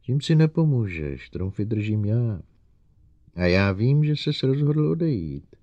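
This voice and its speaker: A man voicing an arrogant, scheming young male mathematician who talks loud and sneering. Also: on the low side, big pitch swings, no room sound, lo-fi sound. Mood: gloating.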